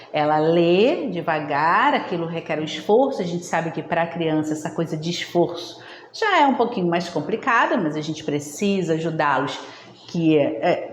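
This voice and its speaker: Woman teaching in an echoey room. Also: fairly low pitch. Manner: didactic, addresses viewers directly, frequent "tá?" check-ins. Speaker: literacy educator. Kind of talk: instructional video talk. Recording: echoey room, faint background noise.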